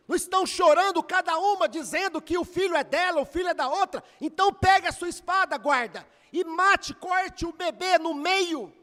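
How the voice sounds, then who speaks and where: A man voicing a stern ancient king who gives forceful, emphatic orders to a guard, in an echoey hall. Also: very high-pitched.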